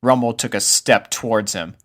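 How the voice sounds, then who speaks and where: Low-pitched man narrating a spooky story. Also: moderate pace, a bit bright. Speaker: narrator, fan fiction reader.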